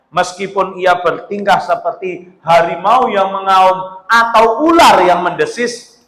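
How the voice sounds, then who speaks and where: A male Islamic preacher, giving a casual, animated sermon to a women's study group. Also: a little high. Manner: casual preaching, mixing Javanese words, animated. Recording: echoey hall reverb.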